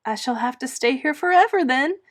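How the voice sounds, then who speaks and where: A woman's voice: sits high, lively intonation, a little fast, pitched above the performer's own voice. A woman voicing a defiant, melodramatic eleven-year-old orphan girl in a storybook reading, pleading emphatically. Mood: defiant, mournful.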